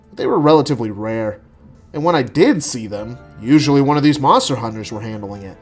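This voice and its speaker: A man giving an expressive, casual dramatic reading of his own first-person writing. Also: on the high side. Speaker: writer reading own work.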